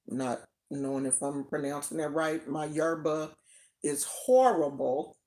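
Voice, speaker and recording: A woman's voice: low-pitched, unhurried, dark tone. An American woman teaching casually to a live audience, chatty and repeating herself for emphasis. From United States. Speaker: teacher of a religious tradition.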